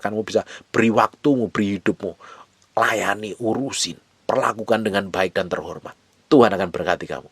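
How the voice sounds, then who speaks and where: A man's voice: lowish voice, no room sound. A male pastor preaching a sermon, urging his listeners with repeated, emphatic exhortations in a casual, conversational way.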